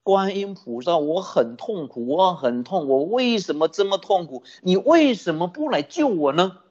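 A man's voice: high voice, big pitch swings, moderate pace, husky, dull audio, voice pushed up, heavily acted. A Buddhist preacher voicing a suffering sick man who pleads again and again to be rescued. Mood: anguished pleading. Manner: desperate, repeated pleading questions.

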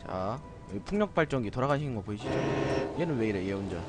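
Cocky playful man, lively voice. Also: medium pitch, quick pace. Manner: playful, cocky, jokingly scolds the game's citizens; explains each step to viewers as he builds. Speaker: gaming video host. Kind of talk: let's play commentary. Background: loud game music.

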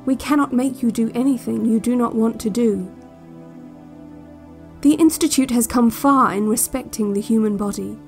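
A woman playing a calm, controlling institute narrator on a relaxation cassette, speaking in a measured and quietly menacing way. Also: fairly high pitch, natural voice. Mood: calm, veiled menace. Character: soft-spoken, controlling female institute narrator on a relaxation tape. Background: music.

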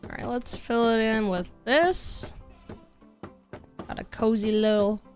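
A woman's voice: fairly high pitch, slow pace. A young woman casually chatting with her viewers while playing a game, bubbly and talkative, saying she is losing her voice. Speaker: streamer. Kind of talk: casual gaming livestream chat. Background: soft background music.

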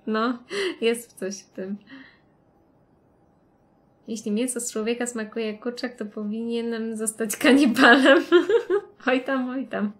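Slow-talking woman streaming a game. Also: on the high side. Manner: chatty, greets chat viewers, laughs often. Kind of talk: live let's-play commentary.

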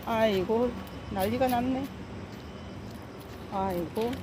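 A woman's voice: on the high side, slow pace, noisy background. A woman walking her dogs outdoors, chatting casually on a phone live stream and fondly scolding her pets. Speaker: dog owner live-streaming a walk. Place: outdoors on a walking path by stepping stones.

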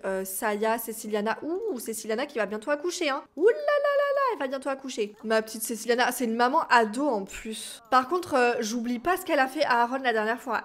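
A woman's voice: fairly high pitch, fairly bright tone. A young woman casually commenting on her life-sim game, reading its texts aloud and reacting to them. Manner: chatty, reads game text aloud and reacts. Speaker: gaming YouTuber. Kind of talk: casual let's-play commentary.

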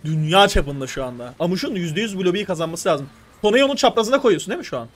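A young man streaming live, coaching players through a strategy game with urgent, animated instructions. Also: high voice, quick pace.

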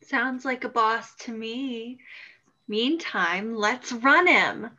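A woman's voice: a little high, takes it slowly, bright, forceful tone, exaggerated voice. A woman playing a bored young female con artist in an audio drama, coy and teasing, feigning innocence, recorded on dull lo-fi audio. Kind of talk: amateur audio drama reading.

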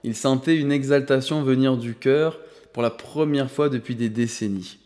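Un homme qui lit un roman en narration posée et mesurée. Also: male voice, mid-range voice, moderate pace, darkish tone. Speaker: audiobook narrator. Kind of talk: scripted narration. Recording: long hall reverb.

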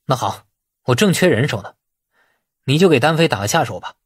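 A male narrator plays a confident, curt younger man in an audiobook drama. The voice is mid-pitched and a little husky, with animated delivery and a dry sound. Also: a little fast, dry recording. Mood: cool, curt. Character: self-assured younger man, curt and businesslike. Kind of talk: audiobook character dialogue.

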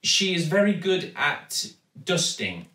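A man's voice: on the high side, big pitch swings, takes it slowly, bright, forceful tone, pitched above the performer's own voice, full character voice. A man voicing a small, flustered young girl who speaks hesitantly and awkwardly. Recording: echoey, distant mic.

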